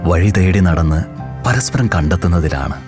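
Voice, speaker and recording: A man's voice: low-pitched, animated, moderate pace. A man reading scripted commercial narration as a voice-over artist. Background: clear music.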